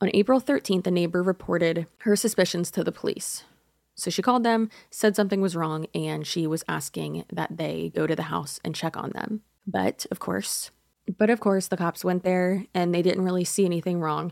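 A normal speaking voice with an American accent moves at a moderate pace with ordinary pitch variation in a very clean, dry, close recording with no echo and a silent background. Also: woman, fairly low pitch for a woman. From United States. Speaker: podcast host. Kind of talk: scripted true-crime narration. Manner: casual, chatty.

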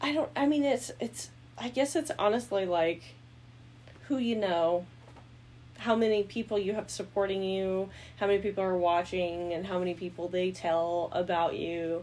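Lively intonation marks this woman's medium-pitched delivery in an American accent. Hers is a normal speaking voice at a moderate pace. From Indianapolis, US Midwest. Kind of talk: casual chat.

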